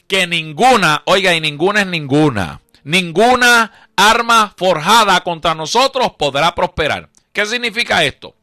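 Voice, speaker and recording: A man's voice: high voice, bright, forceful tone, no room sound, studio quality. A man preaching a radio sermon with a Puerto Rican accent, building his points through emphatic repetition and chuckling often. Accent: Puerto Rican Spanish. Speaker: evangelist preacher. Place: radio studio.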